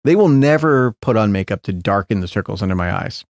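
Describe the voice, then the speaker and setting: A middle-aged tech founder, appearing as an interview guest, reflects thoughtfully in a clean studio recording with no room sound. His voice sits on the low side and is animated and brisk, though he restarts often and uses many fillers.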